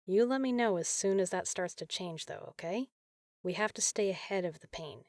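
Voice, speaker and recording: A woman playing a caring, teasing big sister in an intimate comfort roleplay, talking softly and casually. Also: fairly low pitch, animated, moderate pace, no room sound, clean studio sound. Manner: soft, soothing, casual, playful.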